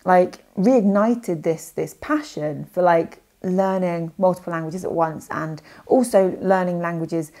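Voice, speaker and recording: A woman's voice: lowish voice, unhurried, few pauses, warm tone. A young woman chatting to camera in a casual vlog, rambling with lots of fillers and self-corrections. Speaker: language learning vlogger. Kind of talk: casual talking-head vlog.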